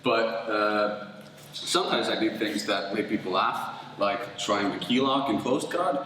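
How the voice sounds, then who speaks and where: A man doing a self-deprecating, halting stand-up set. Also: lowish voice, background noise. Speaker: amateur stand-up comedian. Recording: echoey hall, distant mic.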